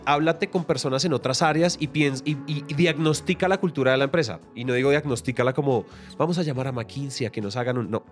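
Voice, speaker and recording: A man co-hosts a podcast with a fairly high voice. He jokes and slips in nicknames while he gives tips. Faint music sits in the background. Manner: joking, quick and colloquial. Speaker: podcast co-host. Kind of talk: casual advice chat.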